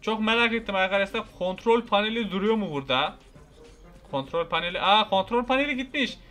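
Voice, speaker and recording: A young man giving excitable, frustrated gameplay commentary, shouting at the characters on screen. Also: high-pitched, fast, soft background music. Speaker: gaming YouTuber.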